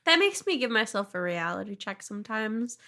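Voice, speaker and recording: A woman co-hosting a podcast in casual chat, animated and self-deprecating, swearing freely. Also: mid-range voice, fairly quick. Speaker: podcast co-host.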